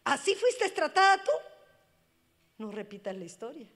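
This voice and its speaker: Brief: high-pitched woman pastor, fervent sermon, lingering church-hall reverb. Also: big pitch swings, moderate pace. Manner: impassioned, swings from loud cries to hushed speech.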